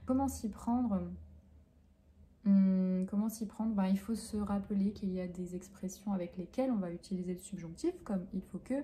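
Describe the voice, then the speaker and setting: A young woman from France who works as a French teacher talks through interview questions. Her voice is very dark and mellow, sitting at an ordinary pitch for a woman. She pauses a lot, fills gaps with hesitations and often restarts her sentences. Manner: hesitant, many fillers and self-corrections.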